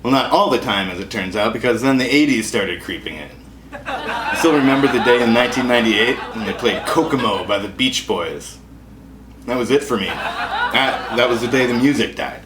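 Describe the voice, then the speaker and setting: A man's voice: medium pitch, lively intonation, normal speed. An American man hosting a comedy show with a casual, wry, self-deprecating and sarcastic monologue. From Wisconsin, United States. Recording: echoey room with clear background noise.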